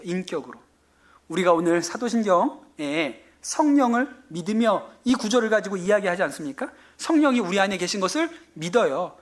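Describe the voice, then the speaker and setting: A male pastor giving a sermon in a church, telling stories and acting out quotes in an animated way. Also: sits high. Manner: animated storytelling with acted-out quotes. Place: church sanctuary.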